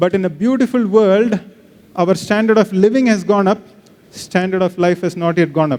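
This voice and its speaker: Over noticeable background noise, a man speaks at a moderate pace with a high pitch and ordinary pitch variation. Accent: South Indian. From South India. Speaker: motivational speaker, spiritual teacher. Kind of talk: motivational talk.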